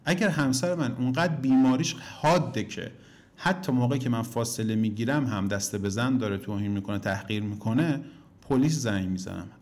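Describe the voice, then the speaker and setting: Emphatic male relationship coach lecturing. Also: a little mellow. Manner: emphatic, swings pitch up and down for emphasis; addresses listeners directly as "kids". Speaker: relationship coach teaching a course. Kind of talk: lecture to course students.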